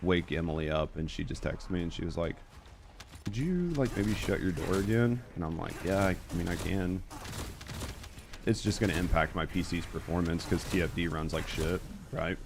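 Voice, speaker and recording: Loud and very deep in pitch, a man speaks with fairly even intonation over noticeable background noise. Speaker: video game streamer. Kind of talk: live gameplay stream chat. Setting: home office with three PCs. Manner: casual, filler-heavy.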